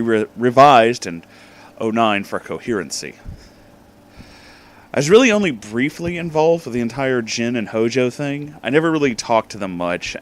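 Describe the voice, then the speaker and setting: A man hosting an informal read-aloud, speaking in a conversational, slightly halting way with casual asides. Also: medium pitch. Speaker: host reading online stories aloud.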